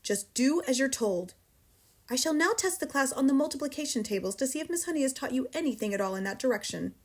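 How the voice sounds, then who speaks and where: A woman's voice: high voice, lively intonation, fast, pitched above the performer's own voice. Woman putting on a big mean storybook headmistress, barks and bellows, super sarcastic. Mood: scornful. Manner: barking, sarcastic, thundering. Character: huge tyrannical female headmistress, cruel, bullying.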